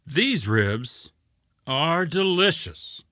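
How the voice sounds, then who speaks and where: Actor as middle-aged father, reassuring, earnest, lively intonation, close dry recording, audio drama. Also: on the high side, very slow, no echo, full character voice. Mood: awkwardly friendly. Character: supportive, anxious middle-aged father, trying to soothe.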